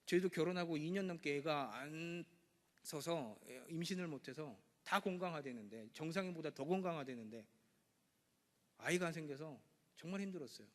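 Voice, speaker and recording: A male pastor preaching a sermon, acting out the dialogue of his scripture passage with sudden loud bursts. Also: fairly high pitch, moderate pace. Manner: lively preaching, acts out God and Abraham with sudden loud bursts. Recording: church hall with long reverb.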